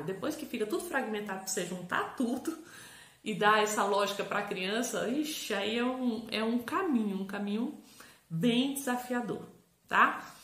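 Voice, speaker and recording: A woman psychopedagogue gives a lesson in an animated, higher-pitched voice, stretching out syllables and spelling words letter by letter. Her voice bounces off a roomy space around her. She talks like a patient teacher explaining a subject. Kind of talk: educational explainer video. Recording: roomy echo.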